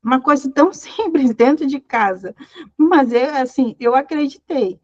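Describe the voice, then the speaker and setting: A woman's voice: high-pitched, lively intonation, normal speed, darkish tone, no room sound, muffled recording. A woman leading a Bible study, encouraging her listeners with repeated phrases and reading scripture aloud. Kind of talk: devotional teaching.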